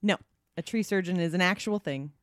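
Husky low-voiced woman from minnesota, co-hosting, rambles with fillers, a bit scratchy today. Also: brisk, no echo, studio quality. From Minnesota, United States. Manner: rambling, explains with many fillers. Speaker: podcast co-host. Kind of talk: casual chat.

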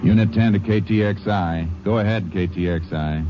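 An actor playing a steady, determined Texas Ranger who talks and narrates tersely in a 1950s radio western. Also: male voice, deep voice, background noise, close to an everyday voice. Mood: businesslike. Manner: terse, measured, calm. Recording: dull old radio broadcast recording.

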